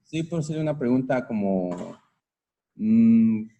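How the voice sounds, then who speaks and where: A man's voice: medium pitch, animated, unhurried, warm tone, muffled recording. A man answering a teacher's questions in class, thinking aloud as he explains his answers. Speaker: student.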